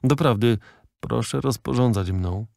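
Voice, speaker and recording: A man reading an audiobook, voicing a polite, eager gentleman captain who speaks up brightly. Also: medium pitch, measured pace, creaky, no room sound, studio quality. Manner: courteous, eager, exclaiming.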